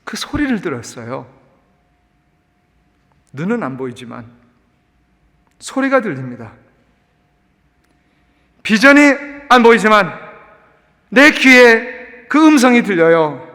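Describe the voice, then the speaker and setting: A man preaching with a very high, bright voice that swoops up and down with lively energy. He is a pastor in the middle of a sermon, often slipping English words into his preaching. His voice rings with a long echo in a church sanctuary. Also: slow pace, pauses often. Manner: animated preaching, mixing English words into the talk.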